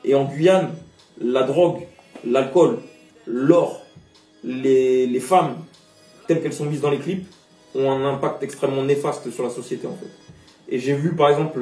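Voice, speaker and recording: A man's voice: mid-range voice, warm tone. A man from French Guiana, a rapper giving an interview, speaking passionately and emphatically with outspoken opinions. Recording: roomy echo, distant mic, faint music.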